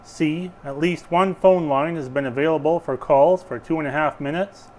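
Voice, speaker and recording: A man's voice: on the high side, moderate pace. A man working as a bingo caller, reading rules and announcements in a formal, procedural way.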